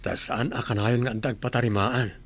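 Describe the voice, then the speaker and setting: An actor playing Dennis, an easygoing young groom, in a radio drama. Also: male voice, mid-range voice, steady tone, fairly quick, slightly rough.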